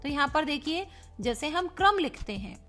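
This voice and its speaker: A woman's voice: sits high, big pitch swings, moderate pace, a bit bright, soft background music. A woman teaching a recorded Hindi grammar lesson, playful and speaking to pupils as children, spelling words out letter by letter.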